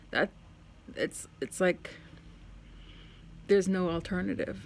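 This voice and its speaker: Speaking with an American accent, a woman uses a fairly low pitch. Her pace is moderate. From United States. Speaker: vlogger. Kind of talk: casual monologue. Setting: at home. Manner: filler-heavy, rambling delivery.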